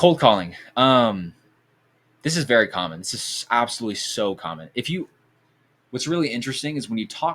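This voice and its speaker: Lively intonation marks this man's medium-pitched speech. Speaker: mortgage business co-founder. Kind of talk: sales pitch. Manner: fast; casual, halting with fillers.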